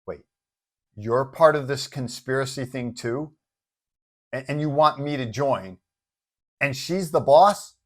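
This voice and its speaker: A man's voice: medium pitch, animated, takes it slowly, pauses often. A man voicing a flabbergasted, idealistic superhero boyfriend in a story, stammering and incredulous. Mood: skeptical.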